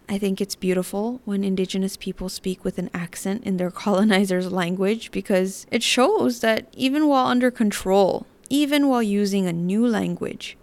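A woman host reads her scripted commentary in an earnest, reflective manner. Her voice has a gravelly fry to it, at a middle pitch. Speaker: podcast host.

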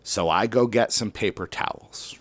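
A man, a schoolteacher, telling a personal story to an audience in an animated way, with sudden loud bursts and slow dramatic drops. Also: lowish voice, no room sound. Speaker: elementary school teacher.

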